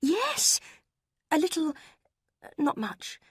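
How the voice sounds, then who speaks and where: Restless, eager young woman, read by a woman narrator; high, quick, impatient lines. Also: dry recording, studio quality. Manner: high excited quick outbursts.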